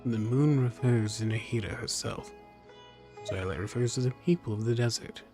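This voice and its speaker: A man's voice: mid-range voice, moderate pace, mellow, soft background music. A man playing a video game, reading the dialogue choices aloud. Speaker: game player.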